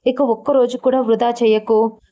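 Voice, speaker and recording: Woman reading as a gentle young bride. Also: fairly high pitch, flat delivery, normal speed, lo-fi sound, natural voice.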